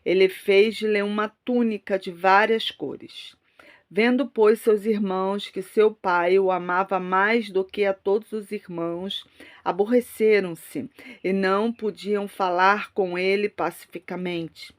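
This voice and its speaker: A Brazilian woman speaks as an online pastor. Her voice sits at a middle pitch for a woman, and she has a cold. She delivers her words in an emphatic religious style, leaning on repeated devotional phrases. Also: fairly even intonation, takes it slowly. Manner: emphatic, repetitive religious exhortation. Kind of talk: fervent prayer, preaching and scripture reading.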